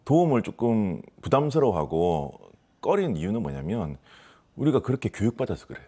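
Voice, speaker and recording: A man's voice: on the low side, big pitch swings, fairly quick, mellow, breathy edge. A man with a regional Korean dialect explaining life lessons conversationally as an author, emphatic and full of rhetorical questions. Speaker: author giving life advice.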